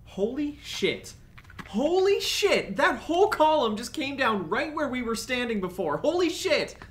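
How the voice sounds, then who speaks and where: A woman's voice: high voice, very animated, a little slow, a little hiss or hum. A woman playing a jittery, safety-minded townsperson in an audio drama, blunt and anxious. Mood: shaken.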